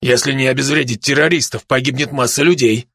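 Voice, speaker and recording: A man doing a husky, serious special-forces dog. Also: mid-range voice, fairly even intonation, fairly bright tone, dry recording, studio quality. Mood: matter-of-fact. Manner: measured, patient, explaining.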